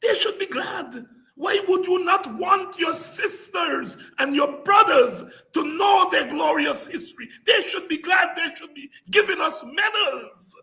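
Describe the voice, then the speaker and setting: A middle-aged man giving an impassioned political address, repeating phrases and rising into shouts. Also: extremely high pitch, animated, unhurried, gravelly, rough recording. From Guyana. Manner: fiery, declamatory, repeats phrases for emphasis, breaks into shouts. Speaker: podcast host and political speaker.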